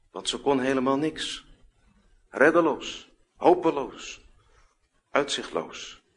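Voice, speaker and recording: A man preaching a sermon as a pastor, earnest and rhetorical, repeating phrases for emphasis and moving between hushed low passages and loud, rising exhortations.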